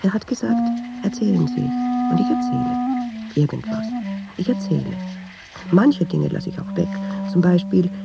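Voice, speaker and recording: A woman's voice: on the low side, big pitch swings, normal speed, creaky, long pauses, muffled recording, over loud music, heavily acted. An actress playing a chatty, ironic Jewish woman who tells restless, digressive, insistent stories in a radio drama. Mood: wry, insistent. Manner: wry, digressive, insistent storytelling. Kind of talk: radio drama monologue in dialogue.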